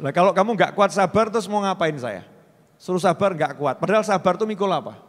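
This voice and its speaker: A man with a Javanese accent preaches a humorous sermon in a high, lively voice. He drops to quiet asides and then bursts into loud exclamations. The sound carries a long hall reverb. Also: quick pace.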